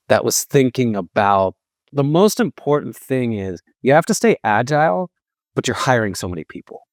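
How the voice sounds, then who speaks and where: A man answering interview questions as a sales executive, speaking informally and emphatically, often acting out quick bits of dialogue. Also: on the low side, no echo, studio quality. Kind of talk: casual conversational interview answers.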